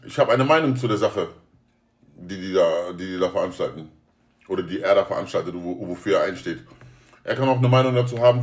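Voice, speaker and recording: A man's voice: mid-range voice, darkish tone. A young man talking casually to viewers on a livestream, slangy and joking, often swearing oaths. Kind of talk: casual stream chat.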